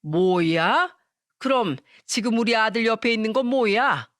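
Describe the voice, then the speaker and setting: A woman's voice: mid-range voice, normal speed, a bit bright, dry recording, clean studio sound, natural voice. A woman putting on a scolding suspicious mother-in-law. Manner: scolding, accusing.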